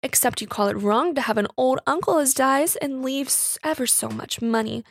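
A woman's voice: sits high, normal speed, creaky, dry recording, studio quality. A woman voicing a pert, defiant young housemaid with uneducated servant's speech in a story reading.

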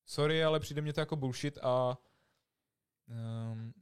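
Young guy on a podcast, slangy and excitable, normal pitch, casual chatter. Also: clear, resonant tone. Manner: slangy, excitable, imitates voices in stories. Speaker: podcast co-host. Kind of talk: casual chat.

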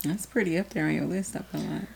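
A woman's voice: fairly low pitch, fast, vocal fry, breathy edge. A young adult woman co-hosting a podcast, chatting casually and loosely with slang. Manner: relaxed, conversational, uses slang. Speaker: podcast co-host. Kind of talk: casual chat.

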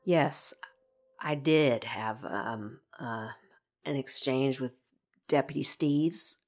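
Female police sergeant, low pitch, very slow, hesitant, guarded, audio drama. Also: a little mellow, soft background music, full character voice. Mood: guarded, uneasy. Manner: hesitant, halting, discreet.

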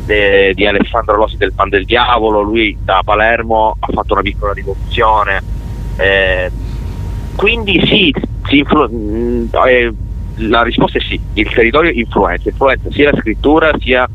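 Sicilian-accented man, low voice, noisy car. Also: moderate pace, a bit bright, dull audio. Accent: Sicilian Italian. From Sicily, Italy. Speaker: musician, interview guest. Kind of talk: casual radio interview. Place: inside a car. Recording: noisy with rumble, band-limited sound.

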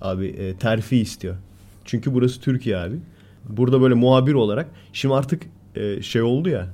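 Mellow-voiced man telling a lively story. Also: mid-range voice, a little fast. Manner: animated storyteller, acts out quoted shouting. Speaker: podcast co-host. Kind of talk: casual chat, storytelling.

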